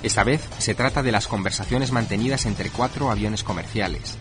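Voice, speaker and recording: A man reading scripted documentary narration with measured, dramatic emphasis. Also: on the low side. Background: music.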